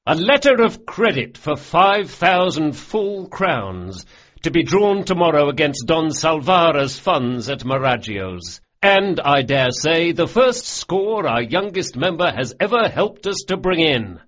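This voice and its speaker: A showy young gang leader of thieves, as a male narrator puts him on, raising his voice a little above his usual pitch and speaking loud and grand. His speeches swagger with mock ceremony. The audiobook sound is slightly dull and lo-fi. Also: big pitch swings, unhurried, full character voice. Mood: grandly toasting.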